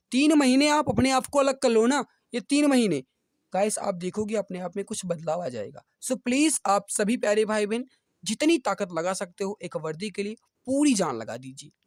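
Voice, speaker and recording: A man's voice: sits high, dry recording, studio quality. A man teaching an online exam-prep class, who calls his students dear brothers and sisters and keeps repeating each answer. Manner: rousing motivational appeals.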